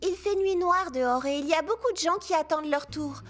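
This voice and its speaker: A woman acts a kind young cartoon girl with a very high voice. She sounds sensible and gently encouraging, with music clearly playing underneath. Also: fairly quick, natural voice. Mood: kind, reassuring. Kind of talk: French-dubbed children's cartoon acting.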